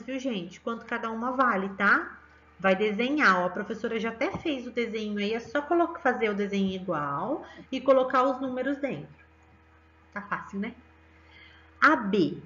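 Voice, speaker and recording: A woman's voice: on the high side, fairly bright tone, lo-fi sound. A Brazilian woman in her thirties teaching a remote math lesson to young children in a cheerful, coaxing way. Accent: Brazilian Portuguese. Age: 30s. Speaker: primary school teacher.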